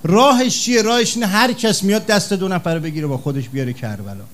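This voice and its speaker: A man delivering a fervent religious sermon, his fairly high voice rising into loud, impassioned cries. He tells stories as he preaches, and his delivery is charged with emotion throughout.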